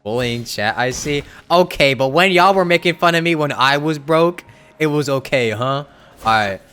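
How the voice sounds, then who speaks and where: A man's voice: on the high side, animated, moderate pace, fairly bright tone, clear, resonant tone. A man casually streaming a video game live, reacting aloud as he plays.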